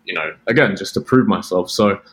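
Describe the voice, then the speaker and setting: A man's voice: sits low, fairly quick, a bit bright. A man from Britain with a British-American mixed accent that sounds Australian, chatting casually as a podcast guest. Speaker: podcast guest, music producer. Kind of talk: casual chat.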